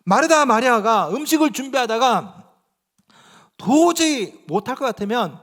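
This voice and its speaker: Korean pastor guy preaching, high voice, jumps from loud to hushed, lots of questions to the pews. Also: sing-song, a little slow, big-room sound. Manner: swings between loud emphatic lines and hushed near-whispers; asks the congregation rhetorical questions. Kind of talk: sermon.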